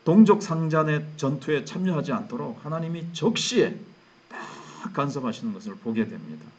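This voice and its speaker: A man's voice: on the high side, lively intonation, normal speed, a little mellow, husky. A middle-aged man preaching a midweek sermon as pastor, explaining scripture in a conversational way and acting out the characters' thoughts. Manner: conversational, acts out biblical characters' inner thoughts. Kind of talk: expository sermon at midweek prayer service. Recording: dull lo-fi church recording.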